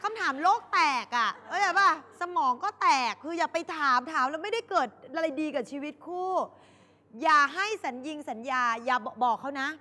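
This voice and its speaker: Bright, high-voiced woman talk show host. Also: lively intonation, moderate pace, big-room sound. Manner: chatty, acts out little quoted voices. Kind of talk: comic advice talk to viewers.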